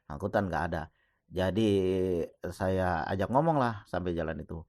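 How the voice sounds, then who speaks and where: Low-voiced man telling a story. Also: no room sound, studio quality. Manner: relaxed, conversational, with pauses and throat-clearing. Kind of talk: casual spoken storytelling.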